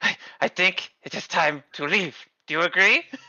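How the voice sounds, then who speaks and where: A put-on character voice of middle pitch delivers its lines at a moderate pace. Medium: actual play.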